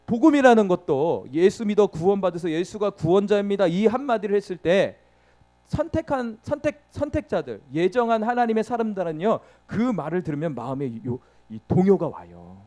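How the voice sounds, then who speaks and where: Delivering a sermon at a moderate pace, the man has a warm, high voice with big swings in pitch. He asks his congregation questions, then answers them himself, bringing the story to life with sound effects spoken aloud and plenty of laughter.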